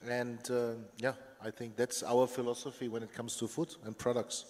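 A man's voice: mid-range voice, normal speed. A man in his forties, an executive chef, speaking earnestly on a conference panel into a handheld mic. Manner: earnest, steady, flat delivery. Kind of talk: panel discussion on stage. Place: large conference stage. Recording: long hall reverb.

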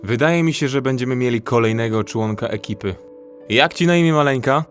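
A man's voice: medium pitch, brisk, close to an everyday voice. Actor as a resolute male survivor over music. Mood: gentle, reassuring. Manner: terse, practical, in control. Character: resolute, protective young male survivor, armed and pragmatic. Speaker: actor in audio drama. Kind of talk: acted horror audio drama dialogue. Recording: music under the voice.

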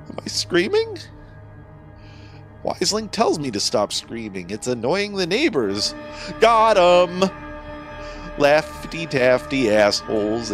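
A terrified, deranged man in an audio horror tale. His delivery is erratic and manic, swinging sharply in pitch from a low base. Music plays behind him. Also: exaggerated voice. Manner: erratic, halting then shrieking, manic. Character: feverish, terrified, unhinged man reading his deranged journal. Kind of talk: horror audio story acting.

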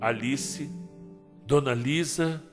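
A man reading a short story aloud as narrator, dramatic and emotional, with long pauses. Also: mid-range voice. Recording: long hall reverb, soft music behind. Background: soft background music.

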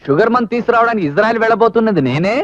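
An actor playing an excitable young roommate who exclaims and trades fast comic banter. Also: male voice, high voice, muffled recording. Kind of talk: film comedy acting.

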